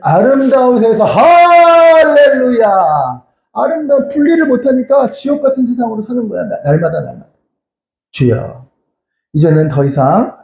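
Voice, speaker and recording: A man's voice: high voice, gravelly, warm tone. A male pastor preaching a sermon, asking questions and answering them himself, repeating phrases and crying out hallelujah. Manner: cries out hallelujah again and again. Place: church sanctuary. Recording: echoey, dull church hall recording.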